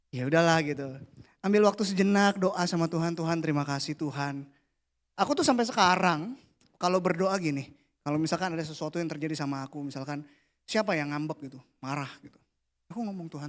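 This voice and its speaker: A man, preaching a casual, playful youth sermon that drops to a hush for the prayers. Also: fairly high pitch, lively intonation, fast. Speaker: youth pastor. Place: church hall.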